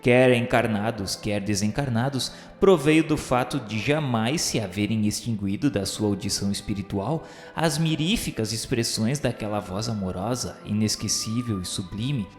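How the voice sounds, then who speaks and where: A Brazilian man narrates a radio novel with solemn, declamatory gravity. His voice is fairly low, wrapped in long, echoing hall reverb with music underneath. The delivery is formal and reverent, like scripted literary prose read aloud.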